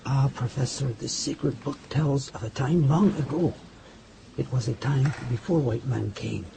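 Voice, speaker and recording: A man's voice: medium pitch, gravelly, natural voice. A man playing a wise Native elder. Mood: solemn. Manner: measured, teasing, solemn. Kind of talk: hobby radio drama acting. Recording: noisy home recording.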